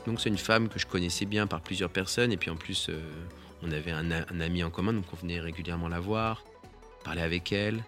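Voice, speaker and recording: A man, a photographer, giving a reflective and halting spoken account of one of his photographs, restarting his sentences often. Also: deep voice, fairly bright tone, faint music behind. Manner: halting, with many restarts and pauses.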